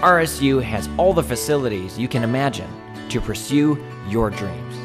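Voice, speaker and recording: A man's voice: mid-range voice, lively intonation, normal speed. A man reading an upbeat scripted promotional voice-over. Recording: voice-over with guitar music.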